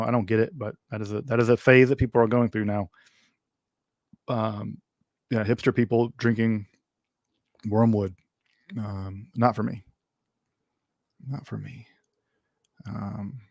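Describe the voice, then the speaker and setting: A man with a somewhat low voice hosts a casual livestream Q&A, answering viewer questions off the cuff. He rambles, fills gaps with ums and restarts, and drops wry asides. The sound is dry and close to the mic. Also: vocal fry, no echo.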